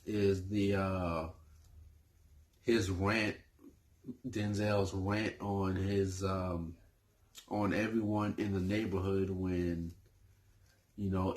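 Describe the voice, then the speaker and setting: Slow-talking man, hesitant movie chat. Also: low voice. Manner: hesitant, full of fillers and restarts. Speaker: movie review YouTuber. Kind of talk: casual movie talk.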